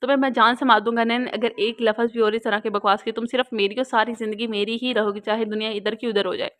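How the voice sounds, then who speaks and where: A woman's voice: a little high, steady tone, fast talker, fairly bright tone, close to an everyday voice. Woman voicing a menacing, possessive young man. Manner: threatening, harsh.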